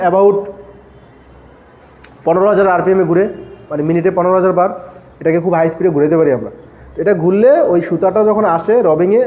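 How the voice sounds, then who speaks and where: A man with a high voice gives a classroom lecture at a quick clip. He explains each step and keeps asking the class questions, then answers them himself. The recording sounds a little dull and lo-fi. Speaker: textile engineering lecturer.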